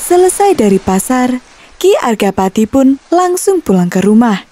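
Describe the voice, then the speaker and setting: Children's story narrator: woman, warm and mellow, very lively intonation. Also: sits high, normal speed. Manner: expressive, storybook-like. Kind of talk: scripted narration of a children's fairy tale.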